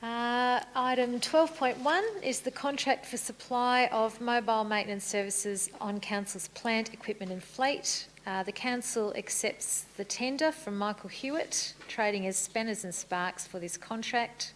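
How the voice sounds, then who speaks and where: A woman serving as mayor and chairing a council meeting, moving briskly through formal procedure with light good humour. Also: a little high, fairly bright tone, slight background noise. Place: council chamber.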